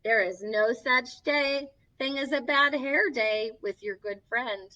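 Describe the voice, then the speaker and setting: Playing Snow White as a sweet, encouraging young princess, a woman reads a picture book aloud at a children's story time. Her voice is a little high, slow, bright and forceful, with a gentle, cheerful, sing-song and reassuring delivery. The recording is distant and slightly dull.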